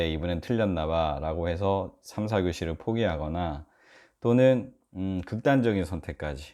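At a fairly slow pace, a man speaks in a very deep, low pitch with a dark, mellow tone and ordinary pitch variation. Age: 40s. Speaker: study-abroad agency owner. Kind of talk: direct-to-camera address.

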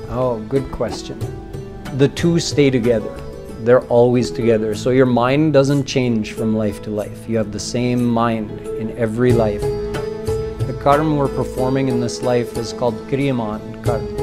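Clear music plays in the background as a man talks at a fairly slow pace. His pitch varies in an ordinary way. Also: medium pitch for a man. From Canada. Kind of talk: interview answer. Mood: calm, warm. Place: studio.

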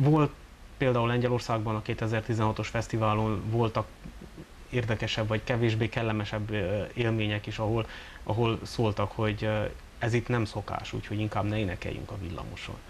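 With light background noise behind him, a man speaks at a moderate pace in a fairly low, monotone, flat voice, leaving long, frequent pauses. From Transylvania, Romania (Hungarian minority). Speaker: choir conductor; guest. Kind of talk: studio interview. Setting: studio. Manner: halting, many fillers. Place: studio. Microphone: lapel.

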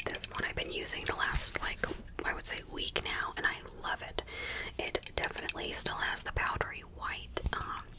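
A woman whispering at a moderate pace. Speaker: ASMR content creator. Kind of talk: ASMR product haul, casual talk to camera. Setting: studio, close to microphone. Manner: whispered. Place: home room. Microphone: studio mic.

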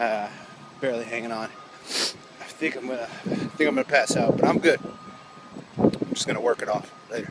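A man is speaking. The sound is dry with no echo, against loud background noise. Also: ordinary pitch variation, moderate pace. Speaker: vlogger doing a spicy food challenge. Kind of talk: casual vlog chat.

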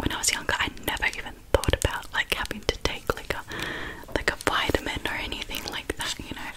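A woman whispering at a fairly quick pace. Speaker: ASMR creator. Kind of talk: ASMR whisper tapping video. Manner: whispered, soft-spoken. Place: home room. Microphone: phone near.

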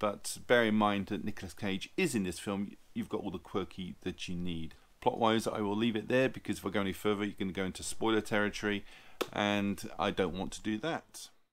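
Fairly low in pitch with fairly even intonation, a man talks in a normal speaking voice. Light background noise can be heard. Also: fairly quick pace. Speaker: film reviewer. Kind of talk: review commentary. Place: home room. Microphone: phone near.

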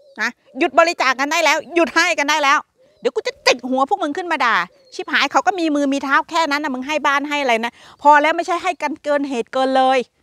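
A woman's high-pitched, raised and projected voice with a bright, sharp tone, ordinary pitch variation, and a dry sound with no echo. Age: old. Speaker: vlogger. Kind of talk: casual monologue commentary. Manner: animated. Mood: angry, scolding. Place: garden. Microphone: lapel.

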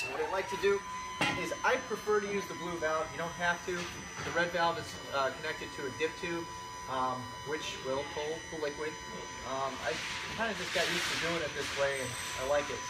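With music in the background, a man's fairly quick speech shows ordinary pitch variation. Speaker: equipment demonstrator. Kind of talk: tutorial. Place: garage. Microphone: camera far.

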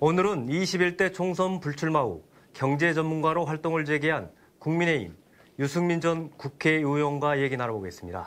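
A man with a fairly high-pitched voice speaks at a moderate pace. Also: ordinary pitch variation. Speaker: TV interviewer. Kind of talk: broadcast interview. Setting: studio. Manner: formal. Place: studio. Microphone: lapel.

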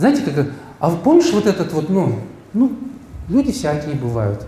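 A man at a high pitch and moderate pace, with audible room echo. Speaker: psychology coach leading a training. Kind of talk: live seminar with audience. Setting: stage with audience. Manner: informal, conversational. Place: hall. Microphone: headset.

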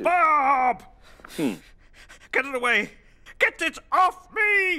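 A cartoonish character voice at a high pitch. It moves at a very slow pace. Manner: shrieking, panicked, irritable.

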